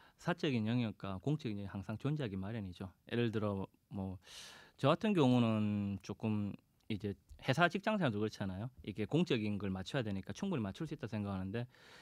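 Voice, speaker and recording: A fairly low-pitched man with a Gyeongsang accent, with lively intonation at a fairly quick pace. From South Korea, Gyeongnam (Changwon). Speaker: local politician, party deputy spokesperson. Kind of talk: radio talk show discussion. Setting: radio studio.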